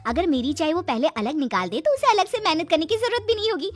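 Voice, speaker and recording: Brief: actress as a sassy young bride, high and animated, light music under. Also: female voice, fast talker. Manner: cheeky, talks back. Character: proud young daughter-in-law, cheeky and snappy. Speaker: narrator and lead actress. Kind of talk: melodramatic family skit.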